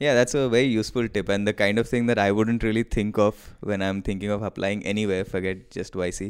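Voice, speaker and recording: With hardly any pauses, a man speaks at a very fast pace in a fairly low pitch with fairly even intonation. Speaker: tech podcast host. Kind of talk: podcast interview.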